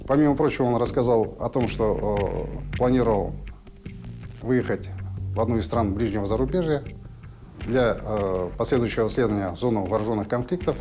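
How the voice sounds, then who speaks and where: Halting, formal low-voiced man. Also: dark tone, faint music behind. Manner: halting, formal official phrasing. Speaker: official interviewee on a criminal case. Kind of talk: formal interview account.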